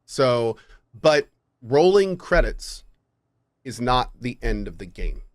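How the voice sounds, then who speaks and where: A man of middle pitch talks eagerly about games on a podcast, often backing up his co-hosts with quick yeses. His voice is close and dry, with no room sound around it. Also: sing-song, no room sound. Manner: enthusiastic, quick affirmations. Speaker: streamer, podcast co-host. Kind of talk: casual gaming podcast chat.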